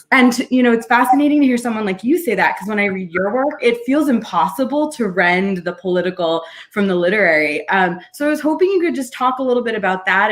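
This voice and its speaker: A woman asking an author a question as an audience member, polite and informal, on a video call. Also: lowish voice.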